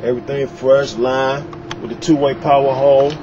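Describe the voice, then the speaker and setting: A man's voice: medium pitch, level tone, normal speed. An American man casually showing off his car outdoors, talking in slang with a constant repeated catchphrase. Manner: repeats "you know what I'm saying" constantly. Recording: dull sound, noisy outdoor ambience.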